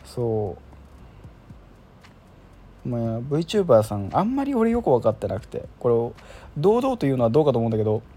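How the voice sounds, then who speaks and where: A man's voice: mid-range voice, sing-song, normal speed, long pauses, warm tone, husky. A man hosting a casual solo chat show, rambling and self-deprecating with lots of filler words. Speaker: podcast host.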